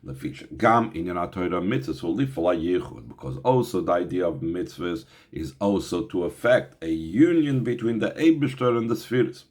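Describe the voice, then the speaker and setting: A man's voice: deep voice, expressive, moderate pace, hardly any pauses, a little mellow. A man teaching a Chassidic text, reading out Hebrew phrases and explaining them in English, often asking rhetorical questions. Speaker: Torah teacher.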